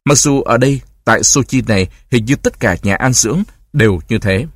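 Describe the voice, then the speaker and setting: A level-headed schoolboy, read by a grown man, earnest and reasoning. The voice is husky and dry and stays close to the reader's own, as in a storybook. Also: medium pitch, fairly quick, dry recording, lightly acted.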